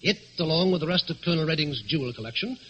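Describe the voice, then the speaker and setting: An actor playing a shrewd, composed gentleman jewel thief in an old-time radio thriller, with a brisk, assured, explanatory manner. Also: fairly high pitch, natural voice. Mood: urgent, persuasive. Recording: muffled old radio recording, faint noise.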